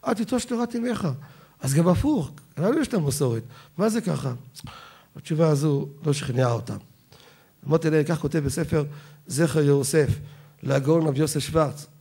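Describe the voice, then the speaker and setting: Sephardi israeli rabbi man teaching torah, kinda high but mellow voice, animated, slows right down on words. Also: husky. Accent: Israeli Sephardi Hebrew. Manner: animated, quoting sources and slowing down to pronounce words carefully. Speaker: rabbi giving a Torah lesson. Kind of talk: Torah lecture.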